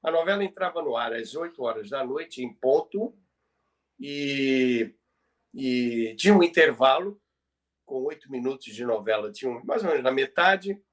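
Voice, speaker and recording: A man's voice: mid-range voice, animated, moderate pace. A Brazilian man presenting in an informal lecture style, explaining didactically and repeating phrases for emphasis. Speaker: presenter explaining radio history.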